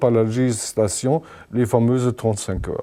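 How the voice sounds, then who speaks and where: A dark, mellow tone in a German accent at a fairly slow pace, on a very clean recording with a silent background. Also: man. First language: German (speaking French). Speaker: economist. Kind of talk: interview. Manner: halting.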